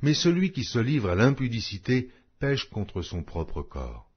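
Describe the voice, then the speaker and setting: A man's voice: mid-range voice, huge pitch swings, unhurried, husky. A man narrating a Bible audiobook in a solemn, declamatory way, reading scripted text with emphatic phrasing. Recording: dull, lo-fi audio.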